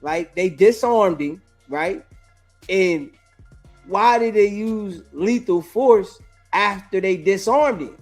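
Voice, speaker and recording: A man hosting a casual call-in discussion, reasoning earnestly in halting, repeated phrases. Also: sits high, lively intonation, soft background music. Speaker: talk show host.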